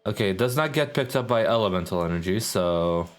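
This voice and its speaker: A male streamer with a fairly low voice, talking over his gameplay in a loose, chatty way. He rambles, hesitates and swears casually as he plays. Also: lively intonation, a little fast. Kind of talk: casual live gameplay commentary.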